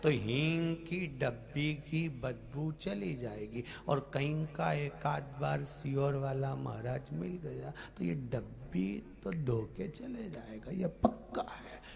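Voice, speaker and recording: A man from Madhya Pradesh giving a devotional Hindu sermon, moving between sung verses and emphatic preaching that swings from loud outbursts to soft asides. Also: mid-range voice, takes it slowly, vocal fry, hardly any pauses. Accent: Madhya Pradesh Hindi. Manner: sings bhajan lines, then preaches with emphatic rising outbursts and soft drops. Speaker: kathavachak preacher.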